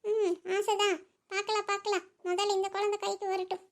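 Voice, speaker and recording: A woman voicing a young pregnant wife in a cartoon, longing for her husband who has been away. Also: little pitch movement. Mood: longing, teasing. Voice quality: very high and quick. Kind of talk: cartoon voice acting.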